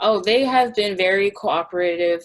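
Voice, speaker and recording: Over noticeable background noise, a woman with a Samoan accent talks at a fairly quick pace with ordinary pitch variation.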